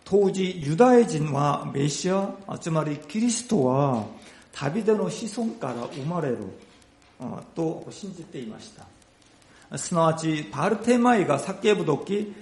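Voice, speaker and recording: A man's voice: a little high, animated, a little slow, darkish tone, roomy sound. A man preaching a sermon, retelling a Bible story with dramatic, rising emphasis.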